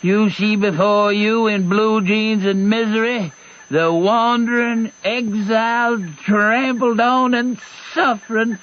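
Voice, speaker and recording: A man's voice: high-pitched, fairly even intonation, takes it slowly. An actor in a radio drama playing an old American rascal, folksy and self-important, who claims to be an exiled king. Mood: grand self-pity. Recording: dull lo-fi radio recording.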